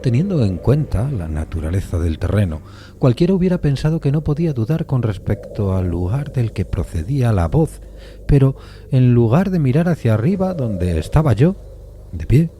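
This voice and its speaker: A man with a deep, mellow voice narrates a suspense story. His delivery is measured and literary, a scripted dramatic reading, with light background ambience behind him. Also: slight background noise. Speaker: narrator of an audio fiction adaptation.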